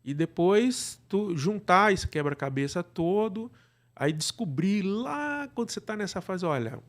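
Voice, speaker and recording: A man with a Brazilian accent answering interview questions conversationally, explaining in a halting way and often checking with the listener. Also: sits high, lively intonation. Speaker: podcast guest, radio drama producer.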